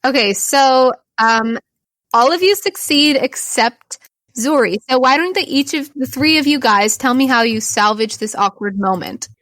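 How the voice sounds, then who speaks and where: A woman's voice: sits high, lively intonation, unhurried, a bit bright, dry recording. A woman hosting as game master, narrating an improvised tabletop game. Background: background music.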